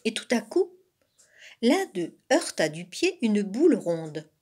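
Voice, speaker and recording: A woman volunteer reading a children's tale aloud in a slow, expressive storytelling manner. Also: medium pitch, husky.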